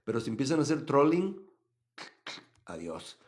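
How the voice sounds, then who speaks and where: A man's voice: very animated, moderate pace. Give me a man leading a livestream Bible study, emotive and answering the chat. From Mexico. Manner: emotive, swings from loud emphasis to low asides. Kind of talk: live Bible study reading chat comments.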